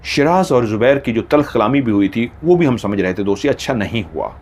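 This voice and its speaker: A man's voice: medium pitch, lively intonation, fairly quick. A man narrating a horror story in the first person, with dramatic storytelling.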